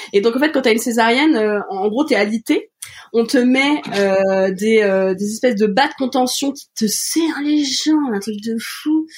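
Speaking at a fairly slow pace, a woman uses a normal speaking voice, fairly high in pitch, with lively intonation. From France, Anjou (Angers). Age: 30s. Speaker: illustrator and comic book author. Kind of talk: casual interview chat.

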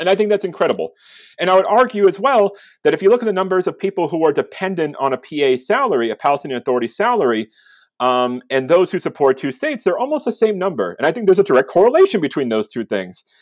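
The speaker has a Boston accent and a very fast pace, with very wide pitch swings. The sound is dry and close with no echo, against a quiet background. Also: man, high pitch for a man. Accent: Boston-area American. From Boston area, US. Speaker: NGO office head working in Gaza and Palestine. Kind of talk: interview conversation.

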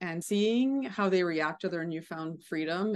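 A woman's normal speaking voice, fairly low in pitch, at a fairly slow pace. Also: quiet background. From Ottawa, Canada. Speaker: artist and breakthrough coach.

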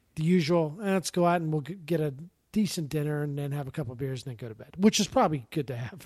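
On a very clean recording with a silent background, a man with an American accent speaks at a very fast pace, his fairly high pitch somewhat breathy, with ordinary pitch variation and big swings in loudness. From Pittsburgh, Pennsylvania. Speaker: sports columnist. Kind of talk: casual chat.

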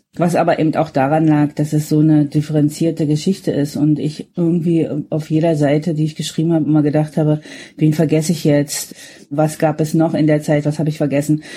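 Dark, mellow tone with flat, monotone intonation, very even loudness and a fairly quick pace. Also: woman, very deep, low pitch for a woman. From Magdeburg, eastern Germany. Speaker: author. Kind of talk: interview.

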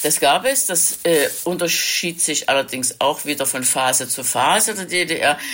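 Noticeable background noise accompanies a woman with a fairly low pitch and lively intonation. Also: fairly slow pace. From East Germany, Chemnitz (Saxony). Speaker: writer. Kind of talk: interview.

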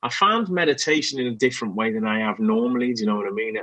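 An ordinary speaking voice from a man, medium in pitch, with lively intonation and a fairly quick pace. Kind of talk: casual chat.

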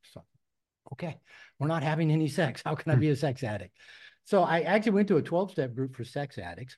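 Somewhat breathy and fairly high in pitch, a man talks at a fairly quick pace with lively intonation. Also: quiet background. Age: 60s. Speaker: therapist and author. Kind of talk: interview.

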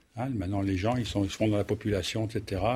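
A man speaks at a fairly quick pace. His voice is fairly low and somewhat breathy. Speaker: retired army general. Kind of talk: panel discussion.

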